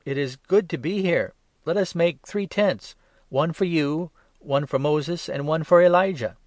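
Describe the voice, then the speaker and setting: An excitable, flustered disciple who blurts everything out, his voice pitched high and loud, performed by a man reading a scripture story. The recording is dry and close. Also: a little slow, dry recording, lightly acted. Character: eager flustered male disciple.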